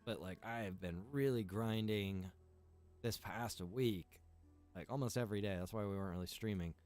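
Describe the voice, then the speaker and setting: Casting: young adult male streamer, low-ish voice, loose rambling chat with viewers. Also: normal speed, faint music behind. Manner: rambling, relaxed, chatty with viewers. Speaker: streamer and server owner. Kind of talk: casual gaming stream chat.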